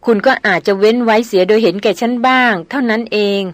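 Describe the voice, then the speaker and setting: A woman's voice: a little high, fast talker, dry recording, close to an everyday voice. A woman reading a coaxing young noblewoman. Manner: soft, coaxing. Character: young aristocratic woman, coaxing and sharp-tongued. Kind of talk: audiobook novel reading.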